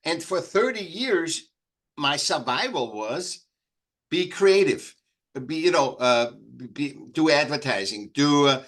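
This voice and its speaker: A middle-aged man from Austria with an Austrian German accent, speaking as an interview guest in a halting, animated way with frequent restarts. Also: a little high. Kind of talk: conversational interview.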